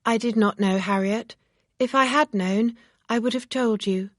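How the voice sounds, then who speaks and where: A woman's voice: on the high side, measured pace, a bit bright, dry recording, clean studio sound, voice pushed up. A woman reading a story aloud, voicing a proper young lady who speaks earnestly in precise, formal phrasing. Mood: careful.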